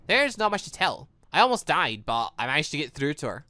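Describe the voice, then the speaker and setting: A man's voice: on the high side, very animated, brisk, sharp tone, no room sound. A man voicing a guarded, dutiful young male student team leader in a visual novel, speaking plainly and carefully. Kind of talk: visual novel character reading.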